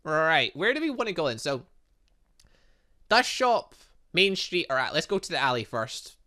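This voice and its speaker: A man's voice: on the high side, big pitch swings, moderate pace, bright, forceful tone. A man hosting a gaming video, chatting and reacting aloud as he plays through a visual novel. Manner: chatty, reacts aloud between read lines. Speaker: gaming channel host. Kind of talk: let's play commentary, reading visual novel dialogue aloud.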